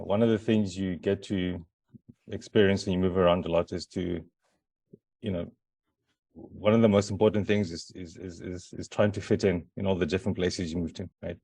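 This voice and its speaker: Gravelly low-voiced man from Zimbabwe. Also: dark tone, no echo. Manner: hesitant, many fillers and restarts. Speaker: conference presenter. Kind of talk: conference talk.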